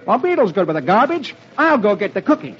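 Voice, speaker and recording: A man's voice: sits high, sing-song, fast talker, fairly bright tone, pitched above the performer's own voice. A man doing an eager, folksy young soldier. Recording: dull lo-fi old radio recording.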